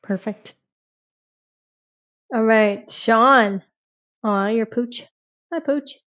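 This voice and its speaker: A woman's voice: fairly high pitch, drawn-out words, fairly bright tone. A woman hosting a group video call, talking loosely with many fillers and restarts. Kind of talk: casual group chat. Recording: dull lo-fi call audio.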